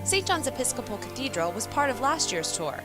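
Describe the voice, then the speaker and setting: High-voiced woman reporting news over music. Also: big pitch swings, a little fast. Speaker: multimedia journalist and news reporter. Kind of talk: scripted news narration.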